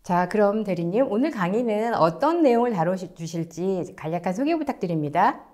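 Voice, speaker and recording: Female webinar host, medium pitch, courteous and formal, delivering scripted announcements to viewers. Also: animated, moderate pace, darkish tone. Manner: polite, formal presenter delivery. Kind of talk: scripted webinar hosting, reading aloud.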